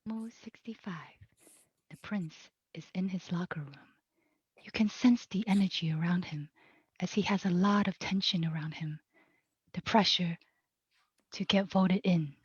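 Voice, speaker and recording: A woman with a breathy, whispery voice reading scripted stage directions as narrator, on dull lo-fi audio. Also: lowish voice, unhurried, pauses often, no room sound.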